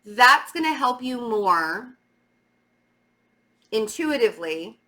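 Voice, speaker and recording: A middle-aged woman with a slight stammer speaks casually and emphatically to viewers as she gives a halting spiritual tarot reading, repeating words for stress. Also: a little high, big pitch swings, bright, forceful tone. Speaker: tarot reader.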